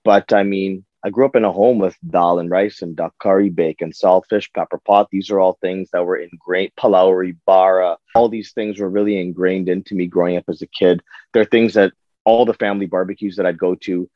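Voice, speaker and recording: Guy w/ lowish voice chatting like bro and man, casual guest, bit muffled audio. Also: steady tone, brisk, dry recording. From Toronto, Canada. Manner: slangy, peppers talk with "bro" and "man". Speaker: podcast guest, chef. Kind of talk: casual conversational interview.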